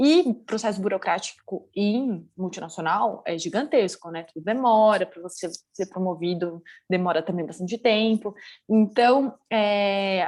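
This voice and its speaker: A woman with an interior São Paulo accent speaks at a medium pitch, her loudness swinging widely. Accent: interior São Paulo (caipira). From Mato Grosso do Sul / interior of São Paulo, Brazil. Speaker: economist, investor relations professional. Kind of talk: podcast interview. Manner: fast, dynamic.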